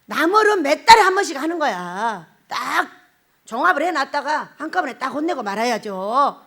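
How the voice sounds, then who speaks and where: A middle-aged woman pastor delivering a sermon with a high, bright-pitched voice. Her intonation swings widely as she talks. She laughs often and keeps asking her listeners questions. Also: normal speed. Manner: animated, laughs often, asks the congregation questions.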